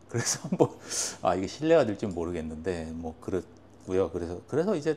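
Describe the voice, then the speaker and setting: Very wide pitch swings mark a man's dark, mellow voice. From South Korea, Changwon. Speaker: full-time stock trader. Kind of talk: interview. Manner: halting.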